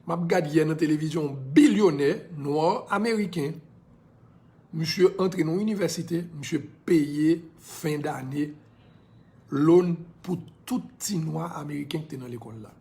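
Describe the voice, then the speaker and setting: A social media personality with a Haitian accent addresses his viewers directly in a casual live video, passionate and preachy. His voice sits a little higher than most men's, creaky and mellow at normal speed, and he slips in English phrases now and then.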